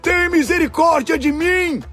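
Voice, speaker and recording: A man voicing a blind beggar who cries out loudly and desperately for mercy in a dramatized Bible audiobook. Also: high-pitched, sing-song, creaky, soft background music, voice pushed up, exaggerated voice. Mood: desperate pleading. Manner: loud drawn-out pleading cries.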